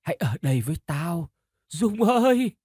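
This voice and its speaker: A mournful young girl's ghost, put on by a man reading a horror audiobook, cries out in long, slow calls, her voice raised and husky. She sounds cold and terrified and pleads to be saved. The sound is close and dry. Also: on the high side, very animated, a little mellow, no room sound, pitched above the performer's own voice. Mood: mournful wailing. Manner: wailing, drawn-out calls. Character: crying drowned girl ghost, cold and frightened.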